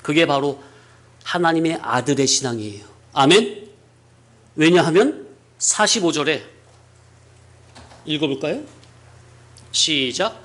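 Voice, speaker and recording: Pastor preaching, animated, asks the congregation questions, high-pitched man; chuckles often. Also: slow, long pauses. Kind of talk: sermon.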